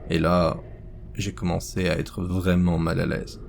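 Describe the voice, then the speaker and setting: A man reading a horror story aloud as scripted narration, slow and measured. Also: low-pitched, little pitch movement, vocal fry, noisy background.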